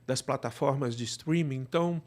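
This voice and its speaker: A man's voice: medium pitch, moderate pace. A middle-aged Brazilian man speaking as an interview guest, casually telling his story in a discursive way with frequent tag questions. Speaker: interview guest, actor and podcast producer.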